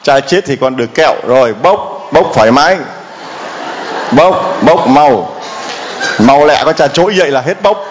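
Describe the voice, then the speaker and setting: A man's voice: mid-range voice, animated, a little slow, long pauses, a little hiss or hum. A middle-aged man, a Catholic priest, giving a playful homily in church that quizzes the children and calls on the congregation to answer.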